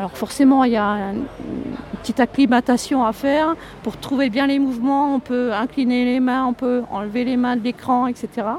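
A woman with a high pitch and ordinary pitch variation speaks at a fairly slow pace against noticeable background noise. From Doubs, eastern France. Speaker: music teacher. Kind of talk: interview. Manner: halting.

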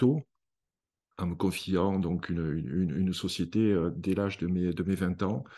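At a fairly slow pace, a man talks in a very deep, low voice with a dark, mellow tone and ordinary pitch variation, the background quiet. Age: 50s. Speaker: author. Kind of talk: interview. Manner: halting, many repetitions.

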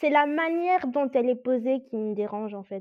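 A woman with a high pitch talks fairly slowly. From Belgium. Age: 20s. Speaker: student, model and podcaster. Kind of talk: casual chat.

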